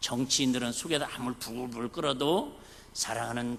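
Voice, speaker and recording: This man has a slight Jeolla accent and a medium pitch. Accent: mild Jeolla dialect. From Korea, North Jeolla. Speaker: pastor. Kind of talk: sermon.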